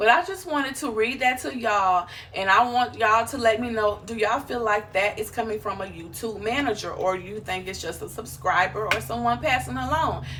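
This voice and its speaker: A woman talks at a fairly quick pace with hardly any pauses, her fairly high voice full of lively intonation. Noticeable background noise runs underneath. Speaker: YouTuber. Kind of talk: casual vlog talk to camera. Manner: loud.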